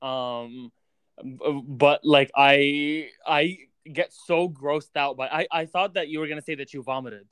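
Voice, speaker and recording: A young man in a casual chat, reacting quickly and speaking bluntly with plenty of swearing. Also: a little high, steady tone, fairly bright tone, smooth, no room sound.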